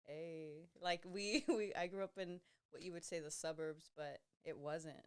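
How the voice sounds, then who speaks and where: A young woman with a Southern California Latina accent, a guest talking in a relaxed, slangy way and laughing often. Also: low-pitched, unhurried, clean tone. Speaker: podcast guest. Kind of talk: casual podcast chat.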